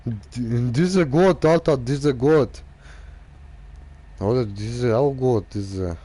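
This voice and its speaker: A man's voice: on the high side, expressive, a little slow, darkish tone. A young man playing a boastful, car-loving character who speaks in broken grammar and keeps repeating the same filler word, commenting on a game.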